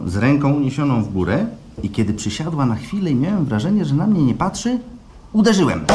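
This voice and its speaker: An actor playing an obsessive, nervous client who confides in a fretful storytelling manner in a live radio play. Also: male voice, medium pitch, dark tone. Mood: tense, then elated. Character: obsessive male client, nervously confessing, eerily elated. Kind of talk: live radio play acting, intimate monologue. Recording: noisy live stage recording.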